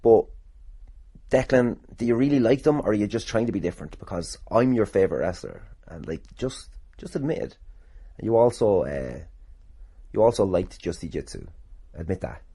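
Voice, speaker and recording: Fairly low-pitched and very animated, this wrestler-turned-podcast-host speaks at a normal speed with a warm, slightly breathy voice in a dry recording. Alone on his casual show, he tackles listener questions with jokey, sweary rambling and mock boasting.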